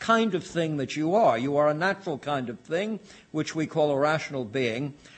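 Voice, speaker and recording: Somewhat breathy and fairly high-pitched, a man talks at a moderate pace with lively intonation. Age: 60s. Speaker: professor. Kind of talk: lecture. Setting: stage with audience.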